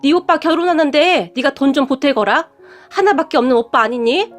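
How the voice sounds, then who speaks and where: A woman's voice: high voice, lively intonation, a little fast. A woman voicing a greedy, scheming middle-aged aunt in a taunting, sneering manner, over faint music.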